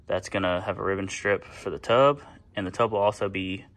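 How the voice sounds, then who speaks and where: Easygoing shop guy, lower voice, chatty and unpolished, explaining his build. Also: a little fast. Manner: relaxed, rambling, with many fillers. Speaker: fabricator and channel host. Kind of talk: casual shop vlog. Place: garage workshop.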